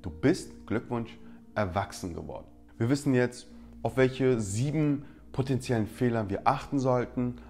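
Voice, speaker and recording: A man's voice: medium pitch, normal speed, a little mellow, faint music behind. A man presenting rhetoric tips in an instructional talk, speaking directly to his viewers and acting out example apologies.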